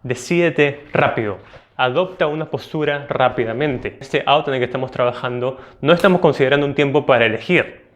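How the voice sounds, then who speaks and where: A man's voice: medium pitch, fairly quick. Latin american spanish guy teaching test prep, emphatic, keeps saying ok? to check in. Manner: clear, emphatic explanations with frequent "entonces" and "ok?". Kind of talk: video lesson.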